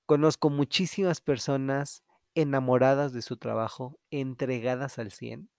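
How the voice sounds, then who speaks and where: A man talks through a solo podcast episode, his voice roughened by a steady vocal fry. He speaks openly and reflectively, in a confessional tone. The recording is dry and close, with no room sound. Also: medium pitch, a little slow, dry recording. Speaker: podcast host.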